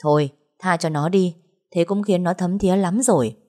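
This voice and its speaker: A woman voicing a calm, gentle young woman who speaks softly. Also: lowish voice, normal speed, lightly acted. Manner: soft, mild speech.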